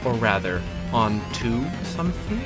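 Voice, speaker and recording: A man's voice: mid-range voice, big pitch swings, a little slow, loud music behind the voice. A man reading a comic story theatrically, in a wry, informal manner with dramatic delivery and offhand asides. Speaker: reader of comic fan fiction.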